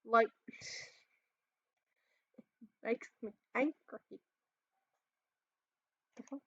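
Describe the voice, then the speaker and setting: Exasperated Australian trans man, soft feminine voice. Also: very high voice, fairly even intonation, very slow, no room sound, lo-fi sound. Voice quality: feminine-sounding voice. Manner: exasperated, swears often, rambling with laughs and sighs. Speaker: reaction video host. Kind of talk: casual reaction commentary.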